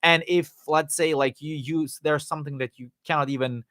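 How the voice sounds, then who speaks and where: A man hosting a live Q&A, answering viewer questions in a loose, rambling way with fillers and restarts, his voice going hoarse. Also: on the high side, fairly even intonation, moderate pace, fairly bright tone, dry recording, clean studio sound. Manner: rambling, many fillers and restarts, jokey asides. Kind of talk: casual live-stream Q&A, reading and answering chat questions.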